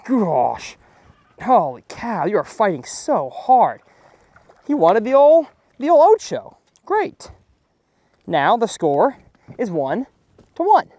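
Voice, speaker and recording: A young man talks through a day of bass fishing from an open boat, his voice swinging widely up and down as he cheers and jokes. The sound is dry, caught outdoors by a camera on the deck. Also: slow pace, long pauses, no room sound. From Texas. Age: young adult. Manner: excitable, jokey, exclaims at catches. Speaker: fishing video host. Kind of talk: casual fishing vlog commentary.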